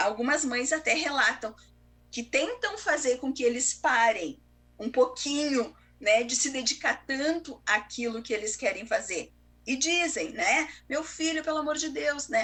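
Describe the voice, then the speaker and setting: Bright and sharp, a woman's high-pitched voice moves at a fairly slow pace with lively intonation. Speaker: educator. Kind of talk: online talk. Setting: video call.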